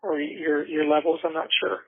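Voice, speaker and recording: A man chatting casually and haltingly over a prison phone line. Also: on the high side, fairly even intonation, creaky, husky. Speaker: jail inmate on a phone call. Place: jail phone in a pod. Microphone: telephone handset.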